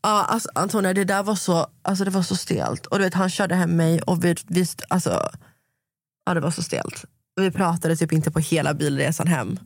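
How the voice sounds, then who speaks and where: A woman's voice: lowish voice, dry recording, studio quality. A young woman chatting casually on a podcast, retelling a story through lots of quoted dialogue and slipping English phrases into her Swedish.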